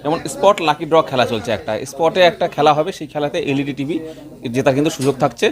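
A man with a West Bengal Bengali accent giving an emphatic, repetitive promotional sales pitch as a showroom promoter. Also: fast. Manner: emphatic, repetitive listing of offers.

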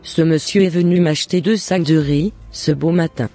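A woman voicing a gentle, plaintive, devout shopkeeper mother in a Christian cartoon. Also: sits low, moderate pace, faint music behind. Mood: grateful. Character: long-suffering, devout, hard-working shopkeeper mother. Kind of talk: French Christian cartoon dialogue.

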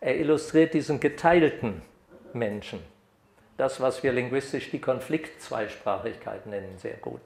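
An older man giving an academic lecture at a podium microphone, lively when reading examples aloud. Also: mid-range voice, measured pace, creaky. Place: lecture hall. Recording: echoey hall.

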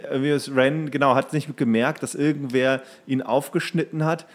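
A man in a casual podcast chat, co-hosting and retelling things in an animated manner. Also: medium pitch, normal speed. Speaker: podcast co-host. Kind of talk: casual chat about cartoons.

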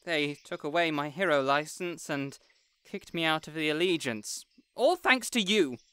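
A man's voice: fairly high pitch, animated, moderate pace, bright, forceful tone, clear, resonant tone, no echo. A man voicing an indignant, insecure young superhero in an audio roleplay, whiny, pompous and melodramatic. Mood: bitter. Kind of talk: scripted audio roleplay acting.

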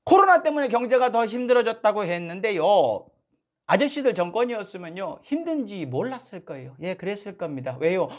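A man in his speech, hosting a satirical political monologue. He is sarcastic and mock-polite, indignant outbursts. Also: high voice. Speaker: political commentary host.

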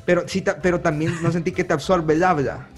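Hombre joven, acento salvadoreño, voz aguda, charla cómica y relajada, música suave de fondo. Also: male voice, on the high side, fast, soft background music. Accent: Salvadoran Spanish. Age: young adult. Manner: joking, slangy, animated. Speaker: podcast host. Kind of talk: casual comedic chat. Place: small room at home, indoors. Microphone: desk microphone with headphones.

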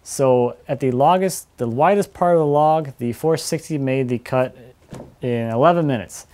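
A young man hosting a casual weekly woodworking update from his home shop, relaxed and laughing often between points. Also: mid-range voice, normal speed. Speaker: woodworking video host.

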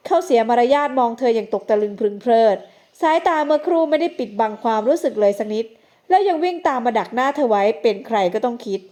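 High-voiced woman narrating a novel. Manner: measured, expressive storytelling. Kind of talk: scripted narration.

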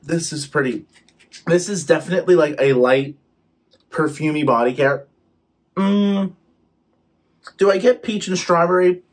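A man's voice: fairly high pitch, unhurried, long pauses. A young man chatting casually as he reviews home fragrance products, talking with his hands at a desk in his living room. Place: living room with shelves behind.

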